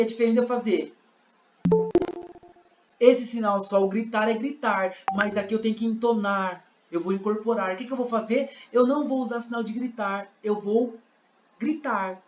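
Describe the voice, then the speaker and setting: A man's voice: sits high, fairly even intonation, moderate pace, darkish tone, a little hiss or hum. A man with a Brazilian Portuguese accent giving a classroom lesson, explaining with examples and acting out scenes. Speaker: sign language interpreting teacher. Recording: roomy, dull lo-fi sound.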